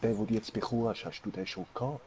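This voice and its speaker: A young man with a Swiss German accent chatting excitedly with friends while gaming. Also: fairly low pitch, racing, a little hiss or hum. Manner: excitable, exclaiming. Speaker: gamer. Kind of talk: casual co-op gaming chat.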